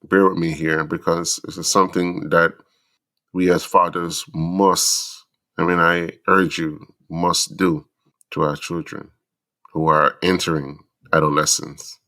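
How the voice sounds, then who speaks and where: A middle-aged man with an extremely deep, low voice, audibly stuffy and congested from a cold. He speaks in an earnest, somewhat preachy way, counting off ideas in slow deliberate lists as he addresses other fathers on his podcast. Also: little pitch movement, pushed and bright. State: stuffy from the flu. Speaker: podcast host. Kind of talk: reflective monologue to fathers.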